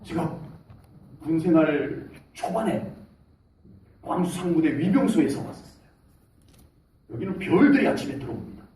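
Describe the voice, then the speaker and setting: A middle-aged man preaching a sermon as pastor in a church, talking with lively gestures of voice and shouting out salutes as he acts out soldiers. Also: fairly high pitch, normal speed, pauses often, a little hiss or hum. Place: church sanctuary. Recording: echoey hall, mic from a distance.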